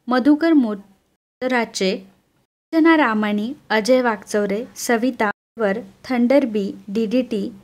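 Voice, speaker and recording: A woman's voice: a little high, a little mellow. A woman narrating a recap of a TV serial in scripted storytelling style, addressing listeners directly and reading out viewers' names. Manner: addresses listeners as friends, reads long name lists.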